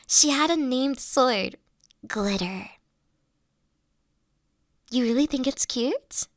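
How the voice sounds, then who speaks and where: A woman playing a big, shy, nerdy young dragon student in an intimate audio roleplay, earnest and halting. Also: high-pitched, lively intonation, dry recording, studio quality, full character voice. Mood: bashful, geeky. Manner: bashful, earnest, halting, giggly. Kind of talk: intimate one-sided character audio roleplay.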